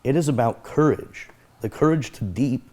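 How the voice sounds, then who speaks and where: A man's voice: medium pitch, expressive, moderate pace, a little mellow. A man speaking as a guest therapist, explaining in an earnest conversational way and repeating his key phrases.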